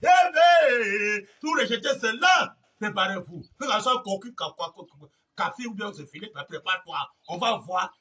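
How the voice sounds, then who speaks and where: Shouting preacher man, far from the mic. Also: animated, normal speed, hardly any pauses. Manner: shouts refrains, swings between loud cries and low mutters; repetitive, chanting phrases. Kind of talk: fiery sermon. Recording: voice heard from a distance from the mic.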